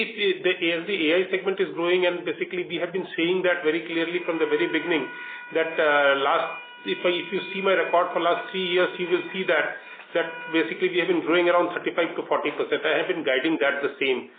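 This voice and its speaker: Indian company executive on a roomy phone line. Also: male voice, fairly high pitch. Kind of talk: answering questions on an earnings call. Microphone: conference call phone. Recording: roomy, noisy narrowband conference phone line.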